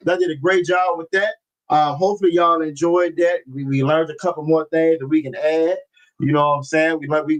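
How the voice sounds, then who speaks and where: A man teaching a religious language class over a video call, reading scripture slowly and often repeating himself. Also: on the high side, rough recording. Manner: repeats phrases, constant "you know what I'm saying"; slow, deliberate scripture reading.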